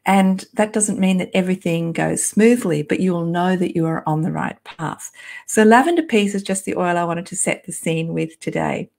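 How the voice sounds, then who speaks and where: Lower-pitched woman with a creaky voice. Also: moderate pace, a little mellow. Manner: down to earth, encouraging, conversational. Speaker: workshop host, essential oils guide. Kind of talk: informal live online talk, answering viewer comments.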